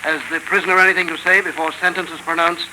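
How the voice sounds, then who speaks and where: A commanding army general voiced by a man speaks in a high, rapid, clipped way. He sounds stern and in charge, as in a 1930s radio play. The old broadcast recording hisses clearly behind him. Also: flat delivery, natural voice. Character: stern older male army general presiding a court. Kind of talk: 1930s radio drama acting.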